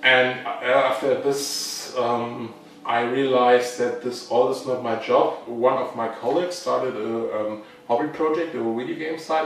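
A man speaks with a German accent and ordinary pitch variation. Light background noise and audible room echo can be heard. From Germany, near Frankfurt. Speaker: retro gaming video maker. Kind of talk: casual interview. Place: home room. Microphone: camera far.

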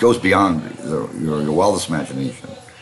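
The intonation is lively, in an American accent. Noticeable background noise runs underneath. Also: man. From New York / New Jersey area. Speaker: software trainer. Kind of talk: tutorial. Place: home room. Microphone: webcam.

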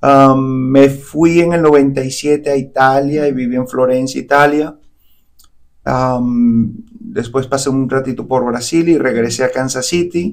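Over a quiet background, a man with a Venezuelan accent speaks at a very slow pace, his medium pitch showing ordinary variation. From Venezuela, Acarigua (Los Llanos). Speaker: entrepreneur. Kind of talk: interview. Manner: hesitant, many fillers. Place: studio. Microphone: studio mic.

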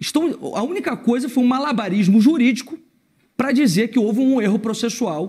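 A man's extremely high, dark and mellow voice with ordinary pitch variation against a quiet background. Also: moderate pace. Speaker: politician interviewee. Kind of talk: angry rant. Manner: indignant, emphatic, insistent; repetitive, stumbling with restarts. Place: studio. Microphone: lapel.

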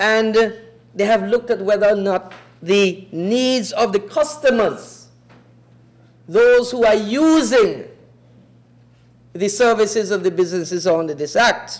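A man with a high-pitched voice speaks at a fairly slow pace, his pitch varying in an ordinary way, with long, frequent pauses. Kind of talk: parliamentary speech. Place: hall.

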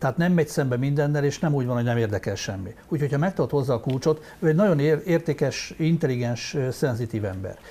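Lively intonation comes at a very fast pace, with hardly any pauses. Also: man, fairly high pitch for a man. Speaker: sports journalist. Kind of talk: casual chat.

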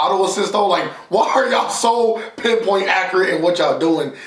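There is audible room echo around a man whose voice sits high in pitch. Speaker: film reviewer. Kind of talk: casual review commentary. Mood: upbeat, amused. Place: studio.

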